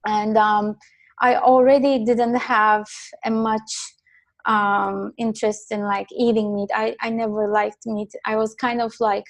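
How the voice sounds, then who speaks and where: Hesitant woman, higher voice. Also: little pitch movement, measured pace, no echo. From Turkey. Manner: hesitant, many ums and restarts. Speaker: guest. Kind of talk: casual interview talk.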